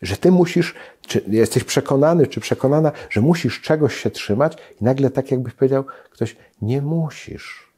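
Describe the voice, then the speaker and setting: A man's voice: medium pitch, normal speed, dark tone, breathy edge. A man, a Dominican friar, giving a storytelling conference sermon in a loose, conversational way, often tagging his sentences with a questioning "right?". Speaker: preacher at a retreat conference.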